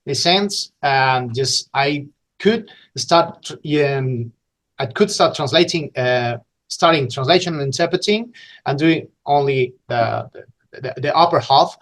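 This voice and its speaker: A man's voice: mid-range voice, measured pace, a bit bright. A middle-aged man from Spain with a Spanish accent, a podcast guest talking unscripted and with enthusiasm, often restarting and repeating words. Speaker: podcast guest, localization trainer.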